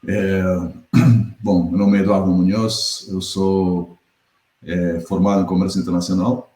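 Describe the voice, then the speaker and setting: A middle-aged man from Argentina with an Argentine accent, speaking as a podcast guest in a measured, thoughtful way, often pausing to find his words. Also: sits low, flat delivery, warm tone. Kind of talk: podcast interview. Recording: echoey room.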